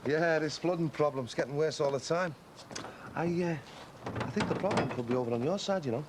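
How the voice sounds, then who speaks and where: A man's voice: a little high, a little fast, noisy background, close to an everyday voice. An actor playing a bluff, eager middle-aged man in a TV soap. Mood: wheedling. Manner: chatty, jokey, wordy mock-formal speeches. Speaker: neighbour courting his partner. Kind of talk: TV soap acting.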